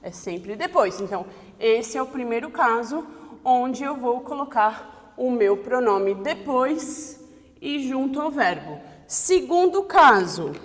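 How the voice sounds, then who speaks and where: A woman's voice: fairly high pitch, big-room sound. A woman teacher explaining grammar step by step, often checking in with her students. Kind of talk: online classroom lesson.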